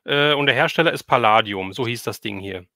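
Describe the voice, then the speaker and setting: A man's voice: mid-range voice, a little fast, bright, forceful tone, no echo, studio quality. A middle-aged man, chatting casually and reminiscing as he hosts a livestream. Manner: reminiscing, conversational. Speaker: livestream host. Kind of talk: casual chat.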